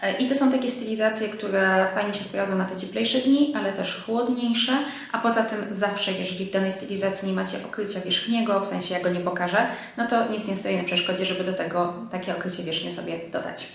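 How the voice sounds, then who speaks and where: A Polish woman talks casually to her viewers in a very echoey room. Her voice sits at a medium pitch and sounds nasal, slightly blocked by a head cold, as if she were talking through a pinched nose. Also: fairly even intonation, a little fast, gravelly. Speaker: fashion vlog host. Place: indoors under artificial light.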